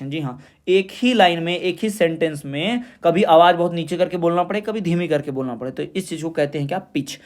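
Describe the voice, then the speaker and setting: A man with a high, somewhat dark voice leads an exam revision class, asking his students questions and then answering them himself. He explains in Hindi but slows right down to read definitions word by word in English.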